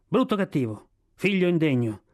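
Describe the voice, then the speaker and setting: A man's voice: fairly high pitch, very animated, normal speed. A man reading aloud, voicing a stern elephant-driver father who scolds his son. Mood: scolding. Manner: gruff, scolding.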